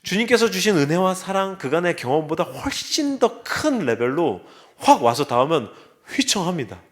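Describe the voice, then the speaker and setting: Male pastor, fairly high voice, earnest Sunday sermon with wry humor. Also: big pitch swings, moderate pace. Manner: earnest preaching, with wry quips and acted asides. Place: church sanctuary.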